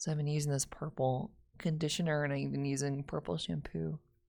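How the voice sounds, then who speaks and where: A woman with an American accent is soft-spoken. She keeps to a moderate pace. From Texas. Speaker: VR streamer. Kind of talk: casual chat. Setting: live stream.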